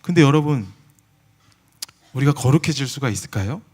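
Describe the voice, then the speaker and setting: A man preaching a sermon as a missionary in a large church sanctuary, telling a personal testimony in an animated way and acting out his prayers and conversations. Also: medium pitch, moderate pace.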